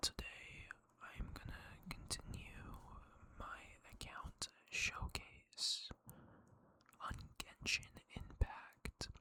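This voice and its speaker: Whispering at a very slow pace, a man speaks in a relaxed tone with long, frequent pauses. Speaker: ASMR content creator and gamer. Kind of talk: whispered ASMR gaming account showcase. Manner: whispered, relaxed.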